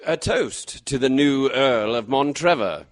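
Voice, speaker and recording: A man playing a composed, courteous gentleman detective in a radio mystery, speaking formally and precisely. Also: medium pitch, expressive, a little slow, lightly acted. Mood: courteous, assured. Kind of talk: radio mystery drama acting.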